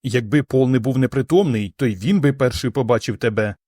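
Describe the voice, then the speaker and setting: A man voicing a gentle, thoughtful young woman with a soft, slightly sad manner in an audiobook. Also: mid-range voice, fairly quick, no echo, studio quality, close to an everyday voice. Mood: wistful. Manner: soft, wistful.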